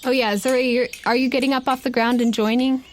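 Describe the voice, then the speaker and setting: A woman's voice: sits high, fairly even intonation, fast, slight background noise. A woman running a tabletop game, narrating off the cuff and putting questions to the players. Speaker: game master.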